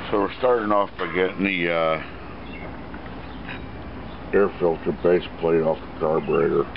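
With ordinary pitch variation, a man speaks at a moderate speed as noticeable background noise plays behind him. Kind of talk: tutorial. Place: garden. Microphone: phone near.

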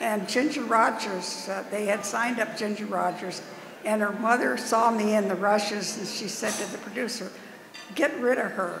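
A woman's voice with ordinary pitch variation and noticeable background noise. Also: moderate pace. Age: 80s+. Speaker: former film actress and stunt double. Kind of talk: interview answer. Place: stage. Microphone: podium.

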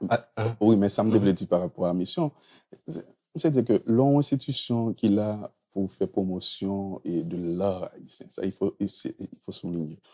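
A man with a fairly low, dark and mellow voice talks at a fairly slow pace with lively intonation. His loudness swings widely against a quiet background. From Haiti, South department; Haiti. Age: 40s. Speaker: arts centre director. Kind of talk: interview. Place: studio.

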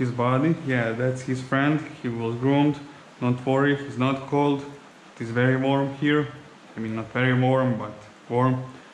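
A man at a moderate pace, monotone and flat, with long, frequent pauses, audible room echo and light background noise. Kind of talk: casual vlog commentary while working. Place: shop. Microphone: phone near.

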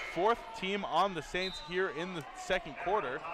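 An excited man speaks at a high pitch against noticeable background noise. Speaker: radio play-by-play announcer. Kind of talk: live radio play-by-play sports commentary. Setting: radio broadcast booth at the gym with crowd. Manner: fast, excited play-by-play, rattling off passes and scores, laughing at his own slips.

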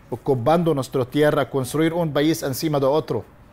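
A man speaks at a fairly slow pace with an Arabic accent. His pitch sits fairly high, over light background noise. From Gaza, Palestine; Palestine. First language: Arabic (speaking Spanish). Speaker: small business owner; interviewee. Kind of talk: interview. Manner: halting. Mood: earnest, grave. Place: home room. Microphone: lapel.

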